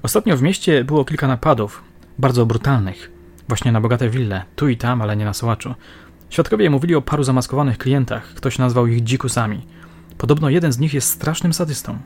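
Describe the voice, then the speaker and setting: A man voicing a gruff, blunt, talkative male police sergeant in an audiobook. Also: medium pitch, brisk, a little mellow, natural voice. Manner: blunt, slangy.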